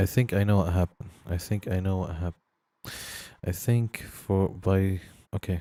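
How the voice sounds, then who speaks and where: Very deep and low in pitch, a man speaks with a dark, mellow tone and monotone, flat intonation. His long, frequent pauses sit in a dry sound with no echo. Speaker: music producer live streamer. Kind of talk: live stream tutorial-style work commentary. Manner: slow, halting. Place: studio.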